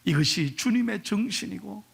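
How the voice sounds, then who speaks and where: A middle-aged man preaching a sermon to his congregation, animated, dropping to a whisper for emphasis and acting out the voices he quotes. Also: high-pitched, normal speed, creaky, husky. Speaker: pastor.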